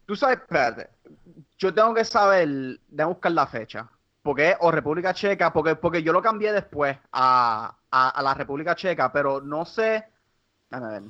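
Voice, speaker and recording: A Puerto Rican man talking casually as a podcast guest, with a voice a little higher than most men's. He stumbles and restarts often, dropping English words into his Spanish. The sound is somewhat dull and muffled. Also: animated, bright, forceful tone. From Puerto Rico. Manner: halting, many restarts, slips into English. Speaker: guest comedian.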